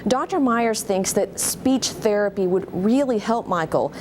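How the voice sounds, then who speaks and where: A woman's voice: mid-range voice, expressive, measured pace, darkish tone, a little hiss or hum. A woman working as a television news reporter, delivering scripted narration and questions for a human-interest story.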